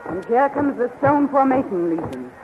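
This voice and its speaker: Muffled old radio queen, lively pitch. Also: moderate pace. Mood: proud. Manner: regal, formal, declamatory. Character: proud, admiring queen of magic. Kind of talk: 1930s radio acting. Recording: muffled, noisy 1930s radio recording.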